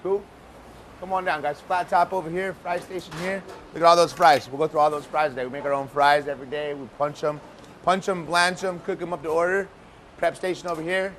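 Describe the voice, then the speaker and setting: A man's voice: fairly high pitch, fairly even intonation, fairly quick, a bit bright. A man giving a casual walking kitchen tour as a chef, calling out in a projected voice to a group following him. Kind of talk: casual walk-and-talk tour. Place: busy restaurant kitchen, indoors. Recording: clear kitchen background noise.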